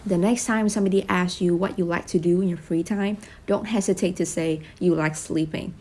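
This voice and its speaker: A young woman calmly explaining study tips in a vlog. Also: lowish voice, a little fast. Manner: calm and explanatory. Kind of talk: study-tip vlog narration. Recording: soft music bed.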